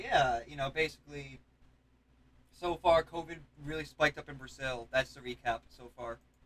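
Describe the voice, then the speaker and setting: A man with an American accent speaks at a moderate pace and a fairly high pitch, with fairly even intonation and long, frequent pauses. His loudness swings a lot. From United States. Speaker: streamer. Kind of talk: casual chat.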